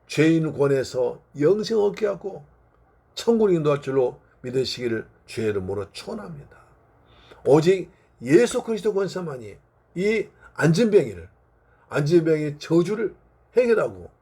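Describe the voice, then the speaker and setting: A male pastor preaches a Sunday sermon fervently, hammering the same phrases again and again. His voice is gravelly and husky, fairly high, with a dark, mellow tone.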